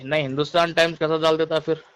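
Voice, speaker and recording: A man's voice: a little high, flat delivery, fast, crowd noise. A man with a Hyderabadi Deccani accent in an argumentative phone conversation, challenging and insistent. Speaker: activist. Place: phone call.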